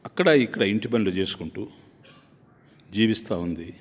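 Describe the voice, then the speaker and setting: Within a long hall reverb, a swami tells an emotive story as part of his religious discourse, turning often to those listening. He speaks at normal speed in a fairly low, expressive voice.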